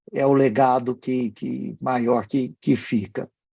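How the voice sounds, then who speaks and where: The tone is dark and mellow. The speech moves at a very slow pace. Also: man. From Brazil, Rio de Janeiro. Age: 60s. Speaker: cardiologist and business owner. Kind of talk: interview. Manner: halting, many fillers.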